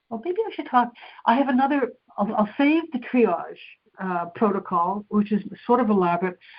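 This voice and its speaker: This woman speaks with fairly high pitch and lively intonation. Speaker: dowser and presenter. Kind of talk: lecture. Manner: fast; halting.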